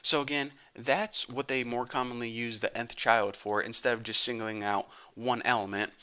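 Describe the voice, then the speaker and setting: Man, coding tutorial host, bright tense tone, slangy, joking, casual. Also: mid-range voice, fairly even intonation, normal speed, smooth. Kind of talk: casual screen-recorded tutorial.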